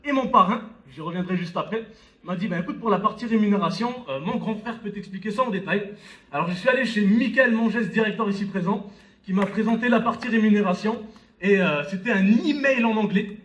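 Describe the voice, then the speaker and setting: A man's voice: high voice, fairly quick, fairly bright tone, highs cut off. A man in his early twenties giving a motivational stage talk, addressing the audience directly and often checking in with them. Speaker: motivational speaker at a network marketing conference. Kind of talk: motivational stage speech with personal anecdotes. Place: on stage in a conference hall. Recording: live stage talk, distant from mic.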